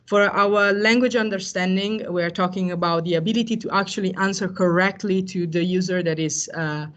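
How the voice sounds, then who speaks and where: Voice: medium pitch, steady tone, a little fast, a bit bright. Hesitant tech presenter. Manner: hesitant, frequent fillers and self-corrections. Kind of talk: technical talk on cloud AI services.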